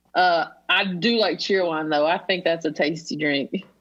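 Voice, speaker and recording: A woman talks at a fairly slow pace in an American accent. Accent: Southern US accent, stronger at home. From North Carolina. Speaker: comedian. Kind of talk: casual chat.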